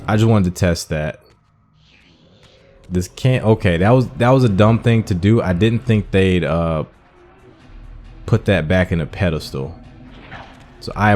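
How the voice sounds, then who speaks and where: A man's voice: low-pitched, a little mellow. A man giving casual gameplay commentary as a video host, informally thinking aloud as he plays. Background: game music.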